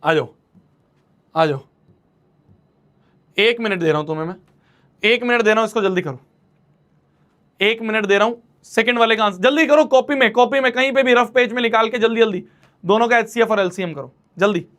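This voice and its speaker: High-voiced playful Hindi maths teacher. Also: male voice, fairly quick, long pauses, fairly bright tone. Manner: playful, repeats questions, teases students. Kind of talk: online class lecture.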